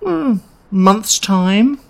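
A woman's voice: medium pitch, expressive, drawn-out words, gravelly, darkish tone, slight background noise, heavily acted. A woman playing a sheepish, pompous, stammering king in an audio pantomime. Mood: flustered. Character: bumbling, sheepish King Arthur, henpecked husband. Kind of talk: pantomime radio acting.

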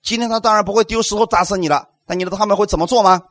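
A man's voice: high-pitched, fairly even intonation, racing, fairly bright tone, dry recording. A male pastor delivering a sermon, emphatic, asking the congregation rhetorical questions and acting out quotes.

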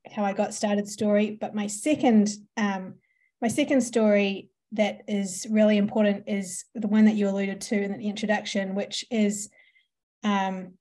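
Speaking in a dark, mid-range voice with a New Zealand accent, a marketing entrepreneur shares her business story on a podcast. She is chatty, laughing often and filling pauses with ums.

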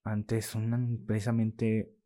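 Young Mexican-accented man, podcast guest, candid and animated storyteller who voices the people in his story. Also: fairly low pitch, takes it slowly. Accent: Mexican Spanish. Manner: lively, acts out quoted dialogue, laughs while telling. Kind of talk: casual storytelling in an interview.

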